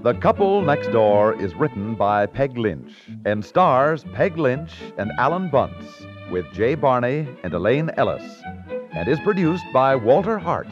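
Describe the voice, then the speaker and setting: A man's voice: mid-range voice, very animated, measured pace. An American man announcing scripted credits in the style of a 1950s radio broadcaster. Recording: dull vintage radio recording. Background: loud string music.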